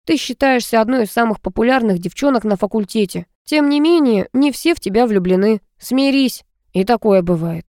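A woman's voice: on the high side, expressive, normal speed, few pauses, darkish tone, no echo, voice pushed up, lightly acted. A woman voicing a curious, chatty young woman student who keeps asking questions, in a dry recording. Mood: friendly. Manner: eager, questioning.

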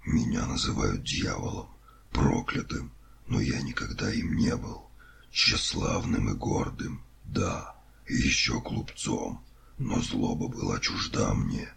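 A man voicing an ancient imprisoned male being, proud and remorseful, in whispered role-play with a gravelly, brooding delivery. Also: rumbling low, a bit bright, a little hiss or hum, voice pushed down, exaggerated voice. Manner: slow, brooding.

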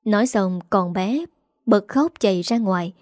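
A woman narrating a family drama story in a steady, even reading. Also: mid-range voice, moderate pace, no echo, studio quality.

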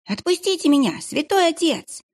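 A woman's voice: very high voice, sing-song, normal speed, a little mellow, voice pushed up. A woman doing a squealing, terrified kitchen boy. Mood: frightened pleading. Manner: squealing, whining, tearful. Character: young male kitchen boy, frightened and whimpering.

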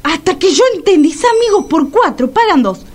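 A woman's voice: extremely high pitch, big pitch swings, brisk, darkish tone. A performer playing a blunt, sarcastic woman who grumbles dry put-downs in a Rioplatense accent. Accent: Rioplatense Spanish.

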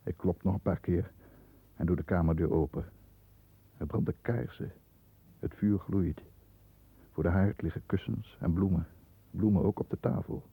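Deep, gravelly, tense lawyer. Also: male voice, no echo, exaggerated voice. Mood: tense, watchful. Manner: dramatic, deliberate, halting under strain. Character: London lawyer, tense, calculating, guilt-ridden brother narrating. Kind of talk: 1960s Dutch radio drama monologue, present-tense narration. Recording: dull lo-fi 1960s radio recording.

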